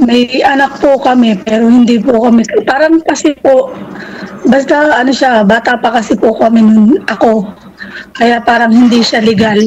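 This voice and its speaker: Noticeable background noise sits under a woman's high voice, which keeps a moderate pace, very even loudness and ordinary pitch variation. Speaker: caller on live dating show. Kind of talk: casual chat.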